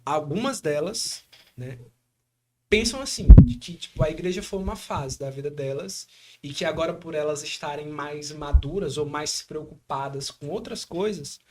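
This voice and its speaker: A man with a Brazilian accent from Espírito Santo, hosting a podcast in casual, animated chat full of slang fillers. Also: fairly high pitch, moderate pace, a little hiss or hum. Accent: Espírito Santo Brazilian Portuguese. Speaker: podcast host.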